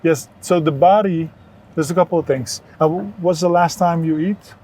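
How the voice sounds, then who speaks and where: Higher-voiced mellow man from Belgium, explaining earnestly. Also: normal speed. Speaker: interview guest, wellness entrepreneur. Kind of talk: conversational health advice.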